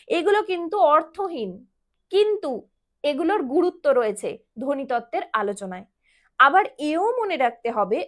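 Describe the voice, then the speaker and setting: A woman's voice: very high voice, fairly bright tone. A woman teacher giving a lecture, explaining step by step, repeating key points and putting questions to her students. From West Bengal. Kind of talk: classroom lecture.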